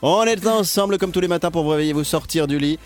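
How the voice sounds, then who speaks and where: A man's voice: fairly high pitch, fast. A man hosting a radio morning show, teasing his co-hosts in joking banter. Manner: playful, teasing.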